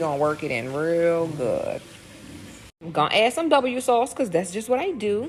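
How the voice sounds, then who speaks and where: A woman talks at a fairly quick pace in a New Orleans accent. Her intonation is lively, and the background is quiet. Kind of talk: casual cooking talk to camera. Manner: upbeat, chatty.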